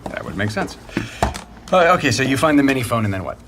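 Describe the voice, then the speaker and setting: An actor playing a curious journalist, asking questions in a casual, halting way in an audio drama. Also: male voice, medium pitch, sing-song, lightly acted. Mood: inquisitive. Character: curious journalist podcaster interviewing a source. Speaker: interviewer. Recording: faint background noise.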